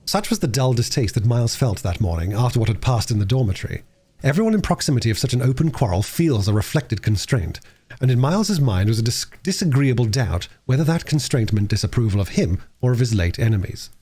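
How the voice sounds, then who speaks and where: Male audiobook reader, mid-pitched with lively, wide-moving intonation. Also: quick pace, slightly rough. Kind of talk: expressive reading of a classic novel.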